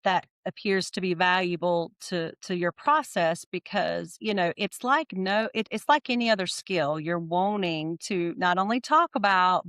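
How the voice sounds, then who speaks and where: A middle-aged woman answering interview questions in a thoughtful, warm way, often checking in with "right?". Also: fairly low pitch, dry recording, clean studio sound. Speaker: podcast guest.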